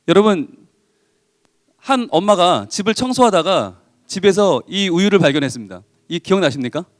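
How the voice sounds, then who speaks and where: A man's voice: on the high side, no echo, clean studio sound. A male pastor giving a youth worship sermon, storytelling emphatically and acting out the dialogue. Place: church.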